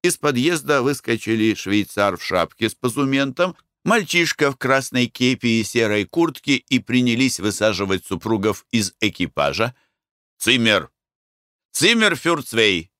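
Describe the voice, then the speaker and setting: A man reading a novel aloud as an audiobook narrator, measured and expressive. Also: medium pitch, smooth, no echo, clean studio sound. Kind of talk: scripted narration.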